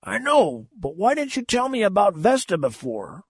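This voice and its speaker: A man voicing a blustering older spaceship captain, gruff and roaring. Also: high-pitched, wildly swooping pitch, moderate pace, dry recording, voice pushed up, full character voice.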